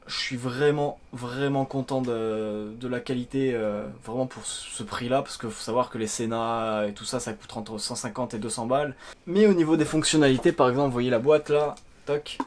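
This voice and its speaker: A man with an average-pitched voice talks viewers through a product review. His delivery is casual and slangy, with plenty of hesitation as he explains things. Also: brisk.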